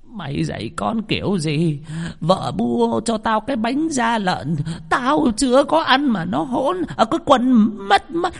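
Một người đàn ông giọng miền Nam đóng vai một bà cụ già kỳ quái, giọng the thé, nói lắp bắp ngập ngừng. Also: male voice, sing-song, a little slow, creaky, exaggerated voice. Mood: scolding. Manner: shrill, stammering with hesitations. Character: elderly grandmother, possessed-seeming, shrill and scolding.

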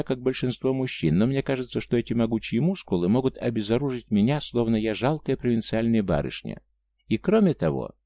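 A man's voice: mid-range voice, vocal fry, no room sound, pitched above the performer's own voice. A man doing a purring, cruel princess. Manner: soft, coaxing, purring. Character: seductive cruel princess woman, teasing and commanding.

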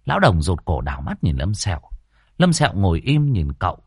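A man narrating a ghost story in an expressive reading. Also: low voice, a little fast, breathy edge, no echo, studio quality.

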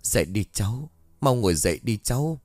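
A kindly grandmother over seventy, played by a man in a spoken ghost story. She pleads and comforts gently, her voice frail. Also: on the low side, very animated, fairly quick, no room sound, clean studio sound. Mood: gentle. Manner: gentle, imploring. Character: frail, kindly old grandmother with weak eyes.

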